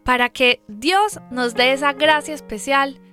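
A woman speaks as co-host of a casual religious radio program. Her voice is bright and forward, pitched a little high. Music plays faintly behind her. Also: measured pace.

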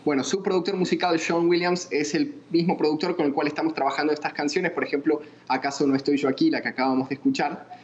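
A man's voice: fairly high pitch, steady tone, fast, hardly any pauses, dull audio, a little hiss or hum. A man from Argentina with an Argentine accent, a musician guest answering thoughtfully with many restarts. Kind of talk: interview answers.

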